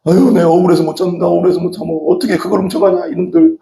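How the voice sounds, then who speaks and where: A man voicing an elderly grandmother who loudly wails and rails against thieves. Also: fairly low pitch, steady tone, rapid-fire, gravelly, reverberant. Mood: aggrieved. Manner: loud anguished wailing. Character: wailing elderly grandmother robbed of sesame.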